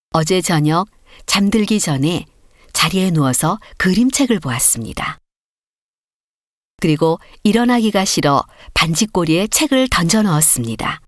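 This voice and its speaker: A woman reading a storybook as an audiobook narrator, with expressive, clearly paced scripted delivery. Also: lowish voice, dry recording, clean studio sound.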